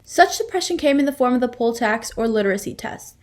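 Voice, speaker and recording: A woman's voice: on the high side, lively intonation, brisk, darkish tone, slight background noise, close to an everyday voice. A woman performing scripted readers theater in an earnest, firm, explanatory manner as a fair-minded advocate. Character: fair-minded woman defending a voter's rights.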